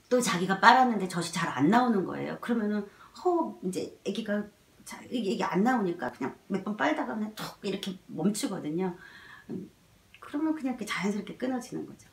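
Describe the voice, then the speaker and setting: A child development educator with a slightly high voice lectures parents through animated stories, acting out mothers and toddlers and sometimes dropping to a soft whisper. She uses many filler words, and the roomy recording has the mic at a distance.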